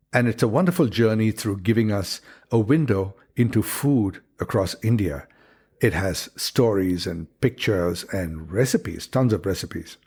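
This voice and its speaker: A man hosting a literary interview, asking measured, wry questions. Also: on the low side, a little mellow, breathy edge. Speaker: interview host.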